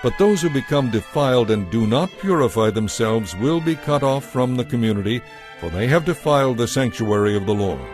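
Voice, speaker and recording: A man narrating scripture from a script in a solemn, deliberate, clearly enunciated storytelling style. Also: mid-range voice, lively intonation, darkish tone, soft background music. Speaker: Bible narrator.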